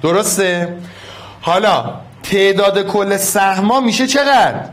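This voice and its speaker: Male physics teacher, fairly high voice, online class, coaxing and repeats every step. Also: a bit bright. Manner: coaxing, affectionate, repeats key steps.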